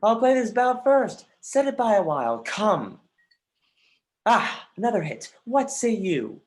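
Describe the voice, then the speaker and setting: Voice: medium pitch, sing-song, measured pace. An actor playing a brooding, earnest young prince with a defiant streak in a livestreamed reading of Shakespearean verse. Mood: spirited, taunting. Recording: livestreamed remote call.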